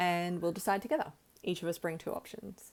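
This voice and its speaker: Over a silent background on a very clean recording, a woman with an Australian accent speaks quickly at a fairly low pitch with fairly even intonation. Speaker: podcast host, leadership coach. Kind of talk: podcast monologue.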